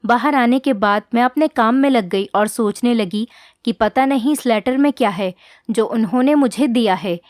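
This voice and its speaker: Female narrator, earnest scripted storytelling, higher register, dry close-mic sound. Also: moderate pace, no echo. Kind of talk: first-person scripted storytelling.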